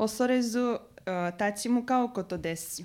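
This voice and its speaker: A woman speaks with a Romanian accent. The recording is very clean, with a silent background. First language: Romanian (speaking Japanese). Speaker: graduate student. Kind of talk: speech contest speech. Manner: formal.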